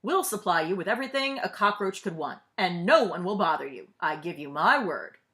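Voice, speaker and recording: An earnest storybook president, played by a woman, speaking with dignified emphasis. The delivery is conciliatory and formal, like a public address, with lively movement in the pitch. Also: a little fast. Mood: commanding, conciliatory. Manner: emphatic, speech-making delivery.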